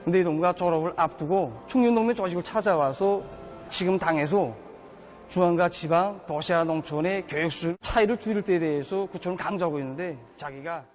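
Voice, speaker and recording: A male interviewee with a North Korean accent gives semi-prepared remarks for a news report. His voice is a bit higher than average. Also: fairly quick, faint music behind.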